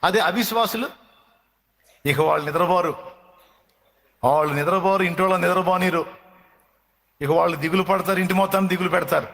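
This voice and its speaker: A man's voice: high-pitched, gravelly, fairly bright tone. A male pastor preaching a sermon with emphatic rhetorical questions to his congregation. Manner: briefly sings hymn lines slowly. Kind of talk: Telugu sermon.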